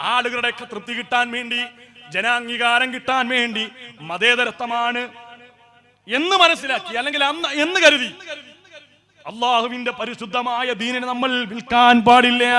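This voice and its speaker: Over noticeable background noise, a man speaks in a raised, projected voice at an extremely high pitch with ordinary pitch variation. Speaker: Islamic preacher. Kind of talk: sermon.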